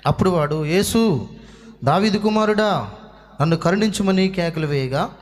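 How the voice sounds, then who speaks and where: A man reading a scripture passage aloud in a steady, formal way during a sermon. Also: high voice, normal speed. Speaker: scripture reader. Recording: long reverb in a large hall.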